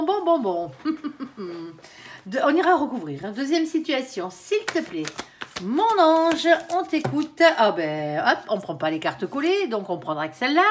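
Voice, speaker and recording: A woman with a stuffy, nasal voice, coming down with a cold, giving a casual tarot reading to camera and tagging nearly every phrase with a little filler. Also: a little high. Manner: chatty, ends nearly every phrase with "hein". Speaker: tarot card reader.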